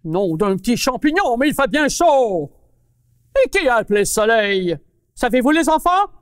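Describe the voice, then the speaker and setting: A woman's voice: a little high, sing-song, normal speed, dry recording, studio quality, big-room sound. A woman voicing a fussy, blustering male mushroom colonel who talks to children in a puppet show. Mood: indignant.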